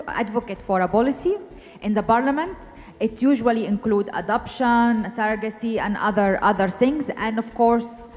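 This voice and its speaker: A woman's voice: mid-range voice, a little mellow. A woman from Egypt answering audience questions on a conference panel, talking with many fillers and restarts. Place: large conference hall. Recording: echoey conference hall.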